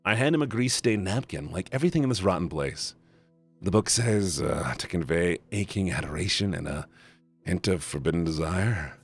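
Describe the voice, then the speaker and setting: Male streamer, deep voice, very lively pitch; reads game text and chats with viewers; faint music underneath. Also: moderate pace, slightly rough. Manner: animated, jumps between reading aloud and chatty asides to chat. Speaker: streamer voicing a visual novel. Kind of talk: live stream reading and reacting.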